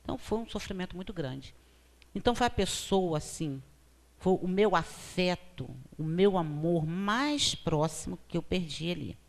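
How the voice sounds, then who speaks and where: A woman's voice: lowish voice, animated, moderate pace, creaky. A woman with a Brazilian accent giving a conversational spiritual talk as a lecturer at a spiritist center, earnest and often checking in with her listeners. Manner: earnest, often tags 'né?' to engage listeners.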